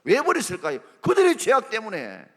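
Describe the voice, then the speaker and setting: A man preaching a sermon as pastor, quoting scripture and asking the congregation questions in an animated way. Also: high voice, fairly quick. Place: church sanctuary. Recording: long church reverb.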